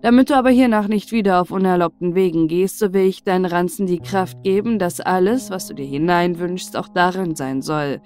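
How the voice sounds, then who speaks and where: Fairy-tale saint played by a woman: stern older-brother authority, male, measured, admonishing. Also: fairly low pitch, a little mellow, faint music behind, close to an everyday voice. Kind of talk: fairy-tale storybook character voice.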